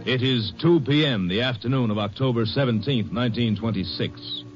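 A man's voice: medium pitch, moderate pace. A man with an American accent narrating a scripted 1950s radio drama. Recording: muffled old radio recording, faint music.

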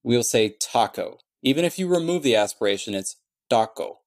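A man's voice: mid-range voice, lively intonation, moderate pace. A man in an interview explaining how he built a language, thinking aloud with many fillers and restarts. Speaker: conlang creator answering questions.

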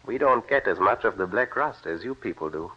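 A devout immigrant farmer. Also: male voice, on the low side, expressive, a little fast, breathy edge. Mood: earnest. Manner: earnest, plain-spoken, formal. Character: devout Mennonite immigrant farmer, middle-aged man. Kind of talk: 1940s radio acting. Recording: dull lo-fi old radio recording.

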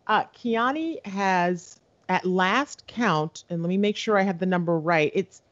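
A woman's voice: on the low side, unhurried, a bit bright, lo-fi sound. A woman co-hosting an interview, playful and enthusiastic, laughing lightly between remarks. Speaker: radio show co-host. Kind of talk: casual interview chat.

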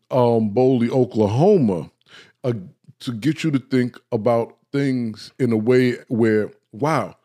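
A man hosts an informal talk and speaks directly to his viewers. His voice is dark and mellow, sitting in an ordinary middle pitch. He keeps checking in with the audience as he goes, and he sometimes trips over his words when he gets worked up. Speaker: host. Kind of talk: casual talk, live-stream lecture.

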